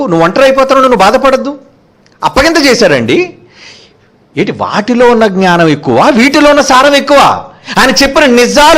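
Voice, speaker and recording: ఎత్తైన గొంతుతో ఆవేశంగా ప్రసంగించే బోధకుడు. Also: male voice, very high voice, fairly bright tone. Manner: fiery, rhetorical questions, repeats each verse after it is read. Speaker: preacher. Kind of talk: sermon.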